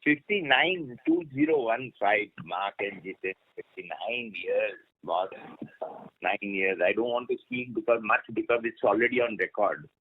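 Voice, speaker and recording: A man's voice: fairly low pitch, big pitch swings, unhurried, slightly rough. An Indian-accented man, a shareholder on an earnings call, informally and insistently pressing his point over the phone. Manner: insistent, repetitive. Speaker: shareholder asking questions. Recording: narrow tinny phone line.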